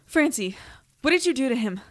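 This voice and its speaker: A woman's voice: high-pitched, expressive, a little fast. A woman playing a stubborn young human captive in an audio drama, blunt, indignant and defiant. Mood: alarmed, wary.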